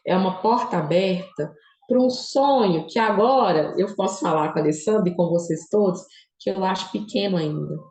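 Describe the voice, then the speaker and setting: A middle-aged woman sharing a personal Christian testimony in an emotional manner, moving from quiet, low reflection to high, animated bursts. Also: roomy sound, low-quality recording. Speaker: children's book author.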